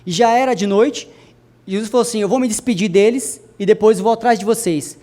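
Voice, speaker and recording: A young adult man preaching a sermon to a congregation, speaking to them directly and swinging his voice from soft to loud. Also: brisk. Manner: addresses the congregation directly, wide swings in pitch and loudness.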